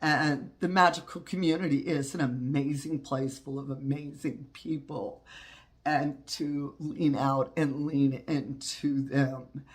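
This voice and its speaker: A man, hosting his own channel and talking through a personal hardship. His low voice is congested from a cold, and he speaks in a folksy, heartfelt way, full of fillers and restarts. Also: fairly even intonation, slow pace. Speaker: witchcraft channel host. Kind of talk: personal reflective talk.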